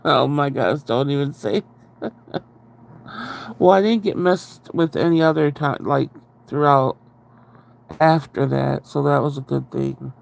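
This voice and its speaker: A man's voice: a little high, creaky, darkish tone. A man hosting a casual livestream, chatting in a rambling way and greeting viewers, his voice nasal and congested from a cold, speaking very close to the microphone so his breathing comes through. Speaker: livestream host. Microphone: very close to the microphone, breathing audible.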